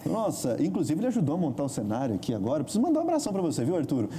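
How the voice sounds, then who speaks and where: A Brazilian host with a mid-range, very mellow, dark voice moderates a studio talk show. The host nudges guests along with questions and steady "uhum"s. Faint noise hums behind the voice. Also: mid-range voice, racing. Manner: encouraging, frequent backchannel "uhum", questioning.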